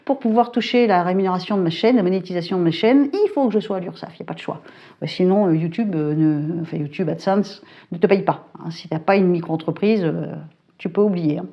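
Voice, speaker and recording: A middle-aged woman talking casually to camera, colloquial and brisk, with lots of fillers and hesitations. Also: fairly low pitch, highs cut off. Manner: chatty, colloquial, frequent filler tags and hesitations; brisk and self-described hyperactive. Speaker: psychic YouTuber. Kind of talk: casual talking-head chat. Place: home.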